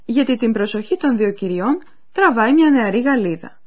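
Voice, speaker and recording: A woman presents a radio course in scripted, educational form, her pitch animated and her explanations clear and aimed at listeners. The sound is lo-fi, muffled, and dull, typical of radio.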